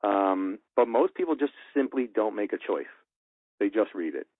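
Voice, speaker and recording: A man with a lowish voice explains voice-acting choices from a radio producer's view, candid and loose, full of fillers. The sound is thin and phone-like, with a dry, close quality and no room around it. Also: lively intonation, normal speed, no room sound. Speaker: radio producer and audio engineer. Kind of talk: voice-acting advice talk. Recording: tinny phone-like line, dry.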